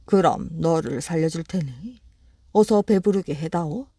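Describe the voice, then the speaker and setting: A greedy bully of a tiger growls his threats in a low, mellow tone, put on by a woman reading the story. The storybook voice is close and dry, with no room around it. Each demand comes out gruff and menacing. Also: animated, measured pace, no room sound, exaggerated voice.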